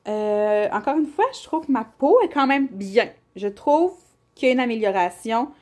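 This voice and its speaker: A woman's voice: on the high side, lively intonation, moderate pace, darkish tone. A young woman with a Québécois French accent, chatting casually as a colouring vlogger, rambling with fillers and restarts. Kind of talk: casual chat showing colouring books.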